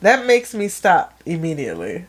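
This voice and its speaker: A young woman co-hosting a relaxed podcast, with a voice that swoops up and down. She chats playfully, acting out what she said to herself as she tells a story. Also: fairly low pitch, normal speed, husky. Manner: playful, animated storytelling with acted-out quotes. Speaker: podcast co-host. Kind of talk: casual chat.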